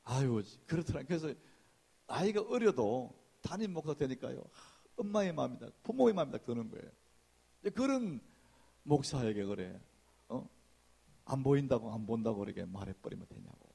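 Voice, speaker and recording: A man preaching a sermon as senior pastor, in a lively conversational way, acting out church gossip in hushed voices. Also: medium pitch, moderate pace, creaky, breathy edge.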